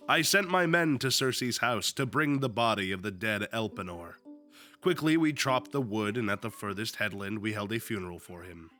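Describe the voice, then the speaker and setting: A man's voice: lowish voice, sharp tone. A young man with a sniffly, slightly sick voice, chatting casually at home and reading a book aloud on a stream, joking and swearing freely. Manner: loose, joking, swears freely, lots of fillers. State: sniffly, still a little sick. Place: at home with his dog.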